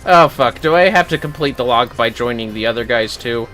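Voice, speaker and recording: A man's voice: mid-range voice, brisk, a bit bright, faint music behind. A man giving casual, sweary and reactive commentary while livestreaming a video game.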